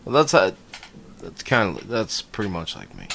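A man's voice: on the low side, huge pitch swings, normal speed, creaky, a bit bright. A man co-hosting a podcast in casual, teasing chat. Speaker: podcast co-host.

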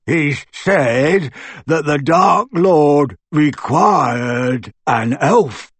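A man voicing a wretched, servile old male house-elf with a croaking voice, speaking slowly and pleadingly in an audiobook. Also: a little high, animated, no echo, heavily acted. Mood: mournful. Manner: slow, pleading, sobbing in distress. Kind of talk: audiobook character voice.

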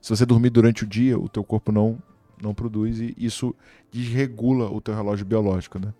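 Brief: man, low-pitched, casual slangy host, dry close sound. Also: brisk, no room sound. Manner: relaxed, slangy, laughs often. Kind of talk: casual chat.

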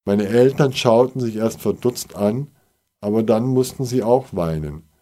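Slow, low-voiced male storyteller. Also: mellow. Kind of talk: scripted storybook narration.

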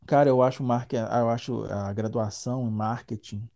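Mellow-voiced man hosting a chat. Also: medium pitch, fairly even intonation, moderate pace, gravelly. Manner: friendly, asks questions. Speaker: podcast host. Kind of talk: casual interview chat.

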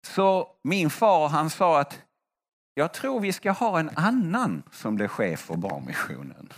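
Animated male preacher telling stories. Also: on the high side. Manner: animated storytelling, acting out quoted voices. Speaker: preacher and mission leader. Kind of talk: testimony sermon.

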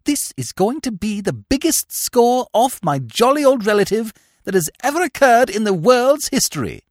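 A performer voicing a breezy, dim young gentleman with an upper-class English accent and excitable manner in an audiobook story. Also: mid-range voice, moderate pace, dry recording, studio quality, voice pushed up. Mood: gleeful excitement. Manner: excitable, breezy, blithely foolish exclamations.

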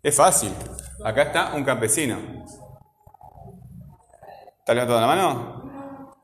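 Patient teacher in an echoey room. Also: male voice, medium pitch, expressive, unhurried, slight background noise. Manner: patient, questioning, repeats key points. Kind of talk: classroom grammar lesson. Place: classroom with a voice-bouncing echo. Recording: echoey classroom with long reverb.

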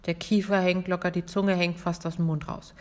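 A woman singing teacher guiding a vocal warm-up in a podcast lesson, calm and encouraging as she talks the listener through each exercise. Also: on the low side, normal speed. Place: podcast episode.

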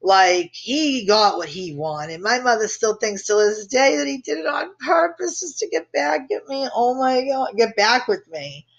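A woman's voice: a little high, animated, unhurried, few pauses, lo-fi sound. A woman hosting a podcast, telling a family story in a brash, profane way and laughing at her own jokes. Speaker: podcast host. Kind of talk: casual storytelling.

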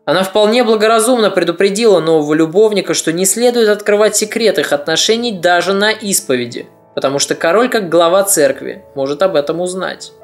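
A podcast narrator giving a scripted historical narration, measured storytelling with ironic asides. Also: medium pitch, faint music behind.

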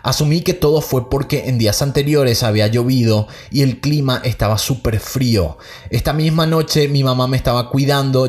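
A man hosting a podcast, reading listener stories aloud and then chatting casually about them. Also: medium pitch. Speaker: podcast host.

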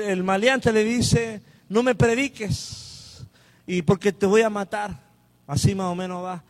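A man preaching an emphatic sermon, calling on the congregation to repeat words after him. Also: high-pitched.

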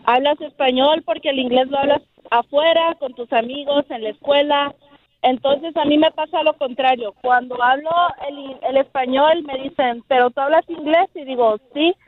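A woman's voice: high-pitched, normal speed. A Texan woman calling in to a radio show, chatty and laughing as she tells her stories. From United States. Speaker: caller. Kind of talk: phone-in call. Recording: tinny phone line.

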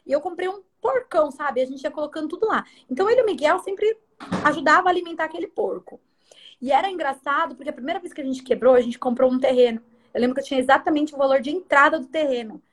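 High-voiced woman telling lively stories. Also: fast talker. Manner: animated storyteller who acts out others' lines. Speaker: salon owner and interview guest. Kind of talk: casual storytelling chat.

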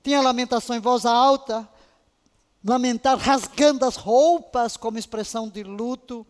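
A woman Bible teacher giving a fervent, emotional lesson on intercession, now and then breaking into soft laughs. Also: a little high, moderate pace. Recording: long hall reverb.

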